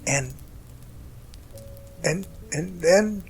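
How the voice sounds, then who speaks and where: A man acting in an amateur audio drama as an emotional man haltingly recounting a rescue that overwhelmed him. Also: sits high, gravelly, darkish tone, soft background music, exaggerated voice. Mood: shaken, intense.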